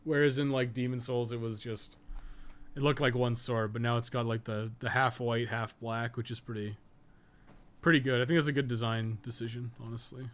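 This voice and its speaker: A man with a somewhat bright, medium-pitched voice speaks at normal speed with fairly even intonation. Playing a game on a live stream as a podcast co-host, he rambles casually, swears, and mutters asides to himself.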